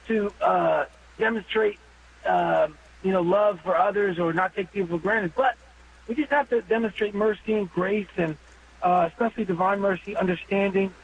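A man's voice: high voice, gravelly, slight background noise. Earnest man in his fifties calling in. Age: 50s. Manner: earnest, halting with fillers. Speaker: caller. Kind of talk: phone-in call to a radio show. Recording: dull phone line.

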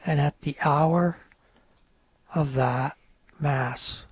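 A man in his fifties from northern New York, whose first language is French, telling his story as a radio guest in a rambling, halting way. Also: fairly high pitch, steady tone, husky. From northern New York, French-speaking home. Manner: rambling, halting with many fillers. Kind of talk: casual radio interview storytelling.

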